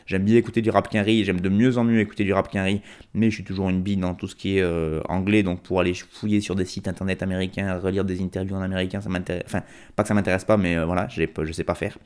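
Low-voiced male radio music host. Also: little pitch movement, fast, darkish tone, clear, resonant tone. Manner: informal, self-deprecating. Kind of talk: casual music radio presentation.

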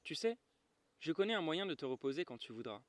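Petit prince curieux et doux, lu par un homme, voix un peu haute, ton sincère. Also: male voice, on the high side, sing-song, a little fast, dry recording. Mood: curious. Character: small boy prince, curious and gentle.

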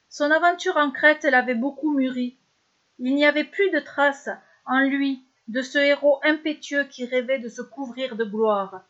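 A woman narrating a serialized story with a high, light voice. She reads steadily and in measured phrases. The recording sounds slightly dull and lo-fi. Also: fairly bright tone.

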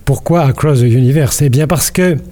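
Older male radio columnist, mellow and playful, storytelling delivery. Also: medium pitch, moderate pace, slight background noise. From France. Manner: playful storytelling, quizzing the host. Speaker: culture columnist. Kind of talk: radio chronicle, partly read.

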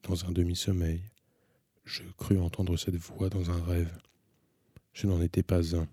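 A man narrating a literary audiobook in a slow, measured, subdued manner. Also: sits low, level tone, mellow, no echo, studio quality.

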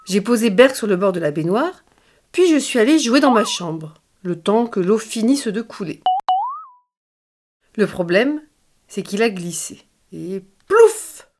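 A mother reading a children's bedtime story aloud into a phone, in a lively, sing-song storytelling manner. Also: mid-range voice, a little slow, background noise.

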